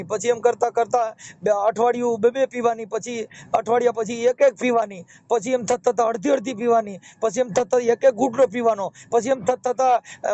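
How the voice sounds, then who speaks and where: Very high-pitched and mellow, a man with a Saurashtra Gujarati accent offers step-by-step advice on a call, repeating himself as a counselor and marriage mediator would. The telephone recording is muffled and noisy.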